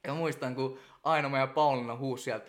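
A young man chatting casually as a guest, telling animated stories full of laughter and fillers. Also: mid-range voice. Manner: animated storyteller, laughs often, many fillers. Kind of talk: casual chat.

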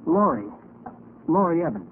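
An earnest youngster in an old radio crime drama. His high voice leaps about eagerly and emotionally, on a thin, scratchy 1940s recording. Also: very animated, normal speed, phone-quality sound. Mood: defensive. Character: earnest, excitable young man, aspiring detective.

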